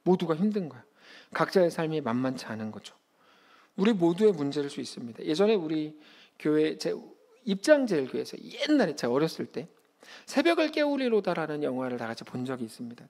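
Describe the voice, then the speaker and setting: A male pastor in his thirties delivers a conversational sermon, with a fairly high voice that swings widely in pitch. His voice has a gravelly edge, and he acts out the lines he quotes. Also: fairly quick. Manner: animated, conversational preaching with acted-out quotes.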